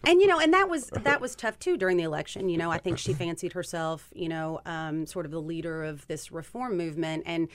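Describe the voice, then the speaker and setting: A woman's voice: on the low side, animated, fairly quick, hardly any pauses, dry recording. A middle-aged woman from Kentucky with a Kentucky accent, earnestly explaining policy figures as a guest on a talk radio show.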